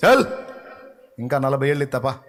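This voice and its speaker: A man preaching a sermon in a way, firing rhetorical questions and swinging from loud challenges to low, earnest appeals. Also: a little fast.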